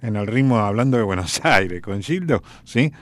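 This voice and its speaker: A man's voice: on the low side, lively intonation, normal speed, no echo. A man with an Argentine accent hosting a radio show, rambling in a chatty, folksy storytelling way. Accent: Argentine Spanish. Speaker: radio host. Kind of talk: casual radio chat.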